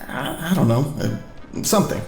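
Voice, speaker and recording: An actor playing a wry, awkward man who narrates his own story in an audio drama with self-deprecating, deadpan, wordy humor. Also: medium pitch, moderate pace, gravelly, soft background music, poor audio. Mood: casual, awkward. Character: wry, awkward smoker man narrating a reunion with old friend. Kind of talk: first-person scripted narration and dialogue in audio drama.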